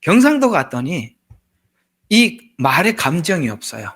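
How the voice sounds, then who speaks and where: A man's voice: a little high, sing-song, measured pace, fairly bright tone, slightly rough. A male pastor, preaching a sermon in a chatty, joking way with asides to the congregation. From Gyeongsang region, Korea.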